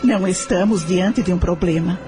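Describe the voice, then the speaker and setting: A woman playing a caring, principled middle-aged mother and wife in a radio drama, earnest and gently moralizing, with a Brazilian accent. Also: lowish voice, normal speed, music in the background, natural voice. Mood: tender, earnest.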